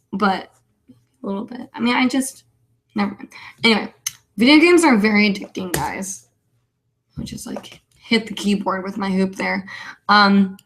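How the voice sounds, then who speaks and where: A woman hosting a casual live online show, chatting in a rambling, self-deprecating way. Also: a little high. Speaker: host of a weekly live online hobby show. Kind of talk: casual livestream chat.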